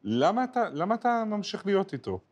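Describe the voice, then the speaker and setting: A man's voice: high voice, very animated. A man hosting an interview, laying out the background before he asks his question. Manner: lays out background before asking. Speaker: interviewer, host.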